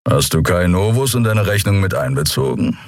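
A man voicing a gruff, hooded male beast-man crewman who talks in a blunt, growling way. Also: low-pitched, expressive, normal speed, no room sound, studio quality.

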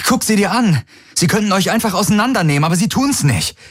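A desperate young man pleads for trust, his voice climbing high and tight with urgency, as a male narrator puts him on. The delivery is close and dry, with no room around it. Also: expressive, fast, slightly rough, no room sound. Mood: pleading.

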